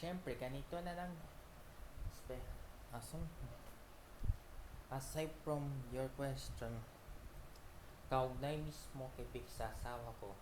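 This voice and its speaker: A man with a Filipino accent rambles in an unscripted monologue, haltingly, repeating himself and breaking off phrases. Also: medium pitch. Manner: halting, repetitive, with broken-off phrases. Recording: echoey room with loud background noise.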